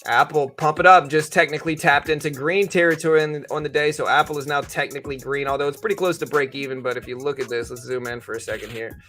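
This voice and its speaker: A man's voice: a little high, steady tone, fast, hardly any pauses, fairly bright tone, soft background music. A man hosting a livestream, giving casual, conversational market commentary and explaining things informally to viewers. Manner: informal, conversational, explanatory, hedging both sides. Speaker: livestream host and stock trading commentator.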